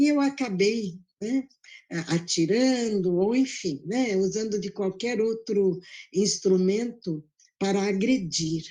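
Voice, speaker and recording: At a very slow pace, a woman speaks in a dark, mellow tone at a medium pitch with ordinary pitch variation. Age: 60s. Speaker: audience member asking a question. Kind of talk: Q&A question. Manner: halting.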